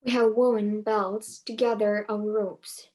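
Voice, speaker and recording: A woman playing a solemn, righteous suppliant in a measured, formal reading of Greek tragedy. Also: mid-range voice, flat delivery, darkish tone, close to an everyday voice, rough recording. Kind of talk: live dramatic reading of ancient Greek tragedy. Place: online video call.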